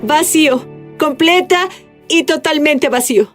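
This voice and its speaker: Woman, turkish is her first language, tells her story earnestly with some stumbles, soft music behind. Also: sits high, unhurried. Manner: earnest storytelling with hesitant restarts. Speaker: guest. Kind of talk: testimony in an interview.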